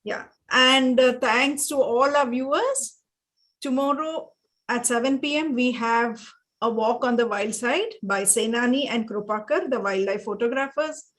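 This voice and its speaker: A woman's voice: fairly high pitch, a little slow, a bit bright, poor audio. A woman with an Indian accent, a book club organiser giving an informal speech of thanks.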